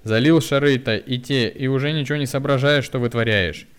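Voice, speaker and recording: A man's voice: mid-range voice, fairly even intonation, a little fast, clean tone, voice pushed up, lightly acted. A man voicing a weary middle-aged village woman who pleads with and scolds her drunk husband in rustic speech. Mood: scolding plea.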